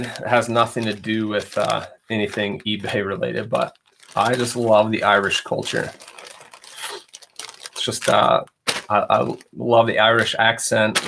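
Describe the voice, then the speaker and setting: A man with a fairly low voice, talking casually to his live stream viewers. He rambles easily from topic to topic and reads out their questions as he goes. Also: gravelly, sharp tone, slight background noise. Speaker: reseller livestream host.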